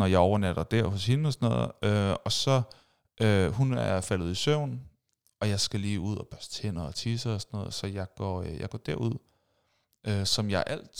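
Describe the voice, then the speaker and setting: Man, podcast host, casual storytelling, animated, acts out sound effects. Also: on the low side, clean tone.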